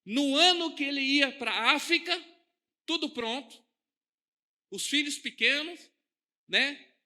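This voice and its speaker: Bright, high-voiced Brazilian preacher. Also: male voice, takes it slowly. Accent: Brazilian Portuguese. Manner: conversational, asks the congregation questions, wide swings in loudness. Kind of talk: sermon. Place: church hall.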